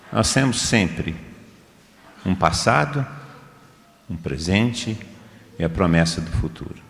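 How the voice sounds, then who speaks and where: In a room with audible echo, a man with a very deep, low voice talks at a very slow pace, taking long, frequent pauses while his intonation stays lively. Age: 70s. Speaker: preacher. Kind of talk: sermon. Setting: leadership meeting.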